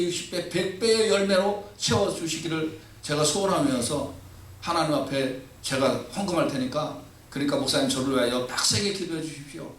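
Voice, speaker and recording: A man's voice: fairly high pitch, a bit bright, natural voice. A pastor voicing an insistent woman who demands blessing prayers and then complains, heard from a distance in an echoey church hall.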